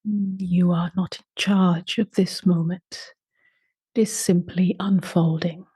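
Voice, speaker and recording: A woman leading a guided meditation in a soft, unhurried voice that often drops to a half-whisper. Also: fairly low pitch, steady tone, slightly rough, dry recording, clean studio sound. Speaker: meditation teacher.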